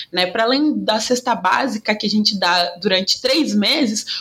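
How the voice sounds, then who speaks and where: Noticeable background noise runs under a woman's fairly high-pitched speech. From Rio Grande do Sul, Brazil (Rio Grande, raised in Porto Alegre). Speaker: financial consultant. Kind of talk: interview. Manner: halting.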